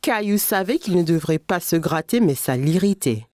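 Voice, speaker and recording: Woman as lively, gentle children's storyteller. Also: lowish voice, normal speed, dry recording, close to an everyday voice. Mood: sympathetic. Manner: expressive, clearly phrased storytelling. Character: gentle storytelling female narrator for young children. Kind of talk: scripted storybook narration.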